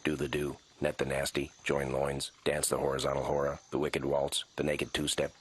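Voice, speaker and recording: A man voicing a stoic cartoon pig detective with a deadpan, formal delivery and an Ozark twang. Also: a bass voice, moderate pace, breathy edge. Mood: awkward, earnest. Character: stoic male pig detective, dry and wistful. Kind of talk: animated comedy acting. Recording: music behind the voice.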